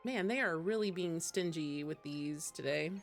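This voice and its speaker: A low-pitched woman speaking at normal speed hosts a game livestream, casually answering viewers as she plays. Behind her voice is game music.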